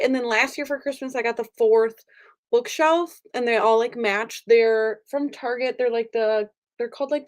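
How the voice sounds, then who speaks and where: Young woman, book vlogger, rambly casual chat, slightly high voice, home recording. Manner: chatty, rambling, frequent fillers. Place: home room with angled ceiling.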